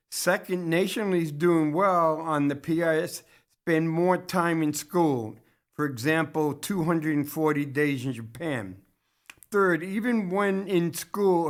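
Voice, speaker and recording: A man hosting a local community TV show, giving a lecture-style commentary with a halting delivery that restarts and corrects itself. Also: a little high.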